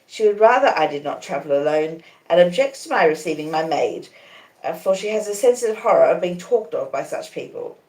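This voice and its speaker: A woman's voice: fairly low pitch, expressive, a little fast, darkish tone, lightly acted. Woman voicing a cold, proud young Australian lady, echoey room. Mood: cold, imperious. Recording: roomy, echoing conservatory sound.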